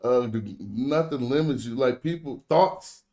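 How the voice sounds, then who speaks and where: An American man hosts a relaxed online language lesson. He speaks African American Vernacular English at a middling pitch, with informal, slangy phrasing as he explains things to the group. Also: unhurried, a crowd in the background. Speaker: host and language teacher. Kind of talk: casual teaching chat in an online group call.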